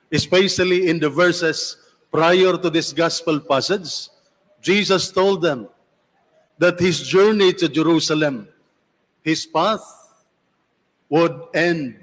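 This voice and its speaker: A priest reading the gospel and preaching in a measured, solemn way, with cathedral echo around his voice. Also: a little high, a bit bright. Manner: measured, solemn delivery with repeated phrases. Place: church. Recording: long church reverb.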